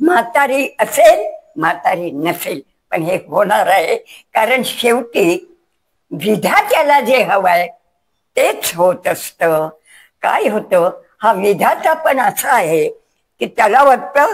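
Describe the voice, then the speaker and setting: This woman's voice sits fairly high and swings very widely in pitch. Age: 90s. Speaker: freedom fighter. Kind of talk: interview.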